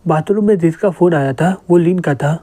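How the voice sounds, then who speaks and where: A man's voice: a little high, normal speed, dark tone. A man narrating a comic story, reading out every character's lines himself and introducing each with a short tag before the quote.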